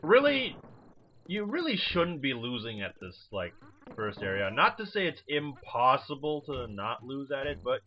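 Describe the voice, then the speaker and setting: An unhurried, sing-song man with a medium-pitched voice rambles through casual let's play commentary, informal and given to swearing. A dull lo-fi mic with a little hiss or hum records him over video game music.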